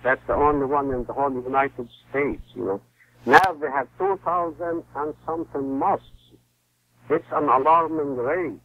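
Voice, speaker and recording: A man in his sixties from Palestine, a guest author speaking in a halting way with many fillers and restarts. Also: mid-range voice. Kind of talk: phone-in interview. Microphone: telephone. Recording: tinny phone line.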